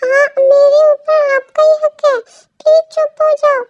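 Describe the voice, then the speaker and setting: A woman's voice: very high-pitched, flat delivery, unhurried, darkish tone, dry recording, dull audio, soft background music, voice pushed up. A woman voicing a playful young husband who teases his partner and then begs her forgiveness, in a pleading, coaxing manner. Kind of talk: storybook role reading.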